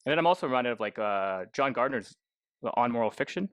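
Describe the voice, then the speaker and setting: A man co-hosting a podcast in casual literary discussion, restarting haltingly as he forms his ideas. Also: medium pitch, animated, clear, resonant tone, dry recording. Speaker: podcast co-host and interviewer.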